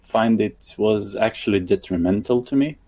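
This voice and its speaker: A man's voice: lowish voice, moderate pace, mellow, low-quality recording. A man who grew up in Lithuania, a native Russian speaker, talking in a casual conversation with many restarts and fillers. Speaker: guest.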